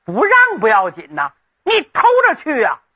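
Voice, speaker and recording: A woman's voice: fairly high pitch, huge pitch swings, normal speed, pushed and bright, husky, lo-fi sound, heavily acted. Woman putting on a lisping, stammering scheming boy. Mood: excited, urging. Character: scheming teenage boy with a lisp, excitable.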